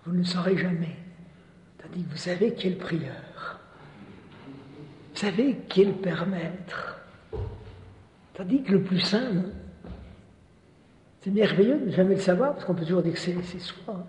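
A man's voice: high voice, normal speed, pauses often, darkish tone, slight background noise. A man giving a spiritual teaching talk in an earnest manner, often repeating words and tossing in little "hein" asides. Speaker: preacher. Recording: reverberant hall.

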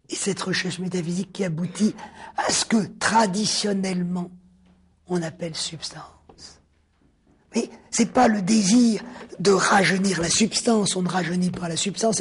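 A man with a very husky, breathy voice delivers a philosophy lecture in deliberate, stretched-out phrases. He keeps returning to key words for emphasis and sometimes sinks into a hushed near-whisper. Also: high voice. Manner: deliberate, drawn-out phrasing with sudden hushed drops.

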